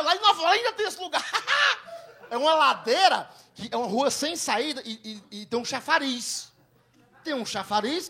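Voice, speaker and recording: A man's voice: very high-pitched, gravelly. A young man from Ceará with a Northeastern Brazilian accent, doing stand-up comedy on stage and telling crude stories while acting out the dialogue. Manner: crude, animated storyteller who acts out dialogue. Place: comedy stage in front of a live audience.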